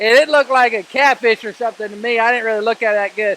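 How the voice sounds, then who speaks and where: A man with a Southern US accent uses a raised, projected voice at an extremely high pitch, his tone animated over noticeable background noise. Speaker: YouTuber. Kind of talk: vlog. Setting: outdoors.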